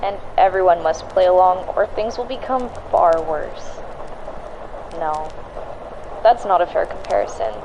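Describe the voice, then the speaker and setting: An actor playing a haunted, grim woman reporter of the 1940s, giving a deliberate, ominous monologue on an old tape in an audio drama. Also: fairly low pitch, highs cut off, noisy background, natural voice.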